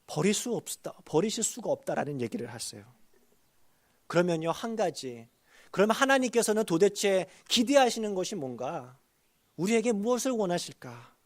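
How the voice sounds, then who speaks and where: A man preaching a sermon as pastor, earnest and building to loud emphasis, leading the congregation in reading aloud. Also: high-pitched, sing-song, moderate pace.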